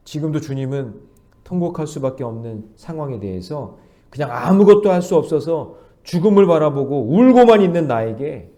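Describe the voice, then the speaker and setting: A man's voice: fairly high pitch, warm tone. A man preaching at a dawn prayer service, emphatic and repeating his key phrases as he leads the congregation in reading aloud. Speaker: pastor.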